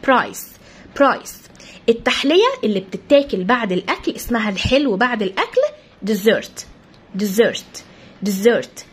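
An Egyptian woman teaching English vocabulary to children, her voice high and husky. She swings her pitch up and down, repeats each word and spells it out letter by letter, and coaxes the pupils along as she goes. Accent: Egyptian Arabic. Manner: coaxing, addresses pupils directly.

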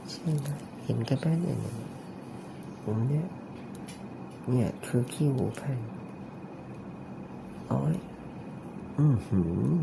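The narrator of this ear-cleaning demonstration pitches his voice up into a soft falsetto-like tone with a gravelly edge, chatting and joking along the way. The background is noisy.

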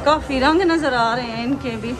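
A woman's voice: high-pitched, moderate pace. A middle-aged woman chatting to her viewers as she walks through busy expo grounds and into a pavilion, filming on a handheld phone. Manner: chatty, exclaiming, talks to viewers while walking. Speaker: vlogger. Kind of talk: casual walking vlog narration. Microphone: handheld phone camera. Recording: crowd noise and music behind.

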